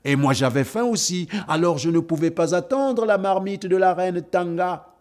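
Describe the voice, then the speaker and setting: A man telling folktales aloud in a playful, lively way, repeating words for effect. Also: sits high, normal speed. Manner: playful, lively, repetitive storyteller's delivery. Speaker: storyteller. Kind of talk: animated oral storytelling.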